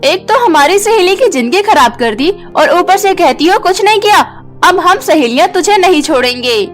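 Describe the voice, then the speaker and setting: A woman acts out an upset young customer in a cartoon tale. Her voice is high, wailing and indignant, with faint music behind it. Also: expressive, moderate pace. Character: distressed, angry young female salon customers. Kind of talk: Hindi cartoon moral story acting.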